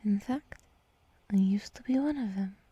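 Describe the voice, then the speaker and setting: A woman voicing a gentle, soothing deer woman who guides meditation in a whispered ASMR roleplay, speaking softly and reassuringly close to the microphone. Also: medium pitch, no echo, muffled recording. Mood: earnest, tender. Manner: slow, soft, breathy, reassuring. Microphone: close microphone, dry.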